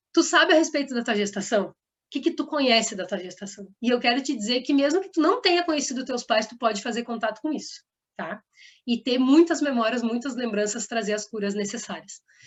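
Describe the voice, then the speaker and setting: A woman's high-pitched voice, fairly quick, with lively intonation. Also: big swings in loudness. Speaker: online course teacher. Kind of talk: online lecture. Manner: fast.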